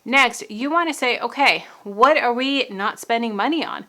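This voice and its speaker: A woman's voice: on the high side, normal speed, pushed and bright. A young adult woman giving casual, upbeat money-saving advice to camera, chatty and repetitive, slightly out of breath from pregnancy. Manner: upbeat, chatty, repeats key phrases. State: pregnant, may sound out of breath. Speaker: personal finance vlogger.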